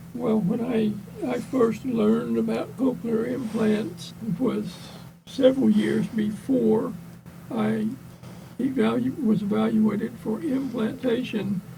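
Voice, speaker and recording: A man speaking at a very slow pace amid audible room echo. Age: 80s+. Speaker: cochlear implant user sharing experiences. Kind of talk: interview.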